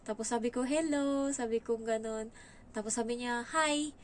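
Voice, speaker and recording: A chatty Filipina vlogger with a slightly high voice tells a story from her day at work, quoting the people in it with lively, animated voices. Faint noise sits behind her. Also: moderate pace. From Philippines. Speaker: vlogger, domestic helper. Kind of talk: casual storytelling vlog.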